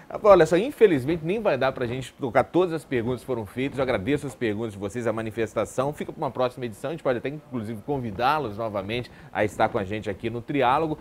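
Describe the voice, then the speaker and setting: Man, talk show host, mid-pitched voice, even presenting, faint hiss.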